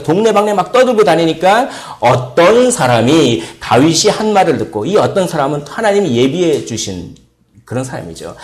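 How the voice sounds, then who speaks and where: Male pastor, fairly high voice, very animated delivery, sermon with acted-out dialogue. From South Korea. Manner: lively storytelling, acting out quoted dialogue. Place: church sanctuary.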